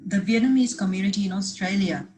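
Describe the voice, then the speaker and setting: A woman's voice: medium pitch, fast, darkish tone, slight background noise. A woman presenting a research paper at a conference, reading steadily from prepared slides with the odd restart.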